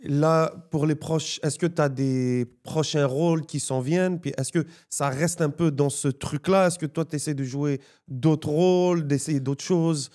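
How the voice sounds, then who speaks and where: A man, co-hosting a podcast and asking halting questions that repeat words and slip into English. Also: fairly high pitch, steady tone, darkish tone. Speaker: podcast co-host. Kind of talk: casual interview questions.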